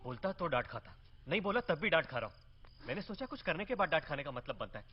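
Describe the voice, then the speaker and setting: A meek young rickshaw driver in a film, sheepish and quick-talking with a lively voice. The sound is dull with loud noise behind. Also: male voice, a little high. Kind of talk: Hindi film acting.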